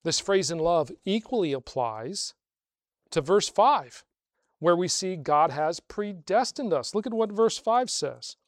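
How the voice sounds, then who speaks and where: A man preaching a sermon to a congregation, asking rhetorical questions and slowing down to stress key phrases. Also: high-pitched, animated, no echo, studio quality. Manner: swells louder on key phrases, slows for emphasis. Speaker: pastor.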